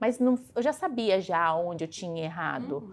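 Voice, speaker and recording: A woman talks at a fairly slow pace. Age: 30s. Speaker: law student who passed the bar exam; interviewee. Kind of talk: interview. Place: meeting room.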